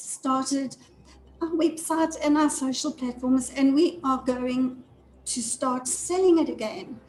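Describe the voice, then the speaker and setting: Over noticeable background noise, a woman with a high pitch and ordinary pitch variation speaks at a very slow pace. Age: 70s. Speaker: craft entrepreneur. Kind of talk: casual presentation. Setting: video call. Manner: hesitant.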